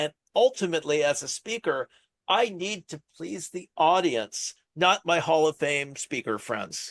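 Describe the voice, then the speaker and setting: In a normal speaking voice, a man talks fairly slowly at a fairly high pitch with lively intonation, the sound dry and close with no echo against a quiet background. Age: 60s. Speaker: podcast host and speaker. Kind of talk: podcast interview.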